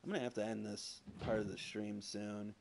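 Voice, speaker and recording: A man talks over his game stream in a loose, rambling way, tossing in "like" and curse words as he plays. His voice sits a little low, and a steady hiss runs under it from a cheap console streaming mic. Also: normal speed, vocal fry. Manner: rambling and crude, heavy use of "like" and swearing. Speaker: gameplay streamer. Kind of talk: casual let's-play commentary. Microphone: PS4 streaming mic. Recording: noisy home stream audio.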